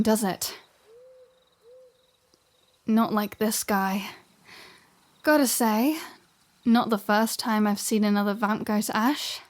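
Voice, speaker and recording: A woman's voice: medium pitch, darkish tone, lightly acted. A woman playing a flirty, self-serving vampire in a scripted audio roleplay, speaking to the listener in a teasing, wry, conversational way.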